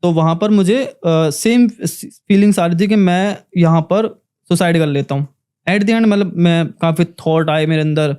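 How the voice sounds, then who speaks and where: A young man with a high, smooth and resonant voice, mellow in tone. He recounts a personal ghost story in vivid, earnest detail as a podcast guest. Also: measured pace. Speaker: paranormal investigator guest. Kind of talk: emotional storytelling in a podcast interview.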